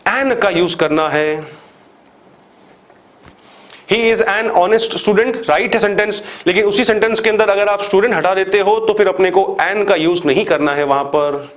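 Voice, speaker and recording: A man's voice: high-pitched, normal speed. A man with an Indian accent teaching a grammar lesson for exam students, asking questions and answering them himself, repeating examples step by step. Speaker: English teacher for exam prep. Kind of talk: classroom lecture.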